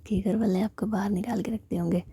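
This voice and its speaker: A woman's voice: mid-range voice, fairly even intonation, quick pace, gravelly, mellow, slightly rough. A woman voicing a cheeky young woman in a whispered story, with a teasing manner. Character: cheeky young woman visiting her girlfriend's home.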